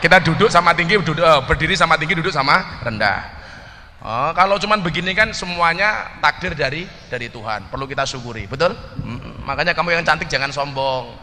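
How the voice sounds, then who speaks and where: A man's voice: a little high, animated, a little fast, sharp tone, big-room sound, a little hiss or hum. A man giving a humorous religious talk, teasing audience members and slipping into Javanese. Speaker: preacher.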